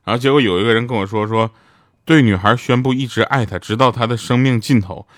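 A young man telling short jokes in a stand-up monologue, deadpan, acting out the people in his stories. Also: mid-range voice, quick pace, no echo, clean studio sound. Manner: deadpan storytelling, acting out the voices in his anecdotes. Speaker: stand-up comedian.

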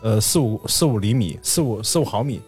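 A man's voice: on the low side, animated, a little fast, a little mellow, husky, faint music behind. A man in casual conversation, explaining food descriptively and repeating phrases as he goes.

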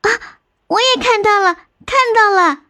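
A woman voicing an excited, curious younger sister in a storybook folk tale, with an eager, wondering manner. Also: very high voice, moderate pace, pitched above the performer's own voice, heavily acted. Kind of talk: storybook narration.

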